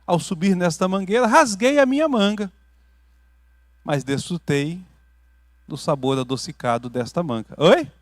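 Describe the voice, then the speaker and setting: A Brazilian man preaching a teaching sermon as pastor, building to loud emphatic peaks and dropping to quiet asides, often checking in with his listeners. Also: high voice, unhurried, long pauses, dry recording. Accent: Brazilian Portuguese. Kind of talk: teaching sermon with questions to the congregation. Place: church hall.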